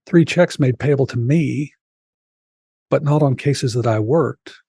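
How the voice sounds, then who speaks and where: A man's voice: medium pitch, unhurried, vocal fry, dark tone, breathy edge, no echo, clean studio sound. A man in his sixties, a guest on a podcast, earnestly telling a personal story and now and then addressing the host by name.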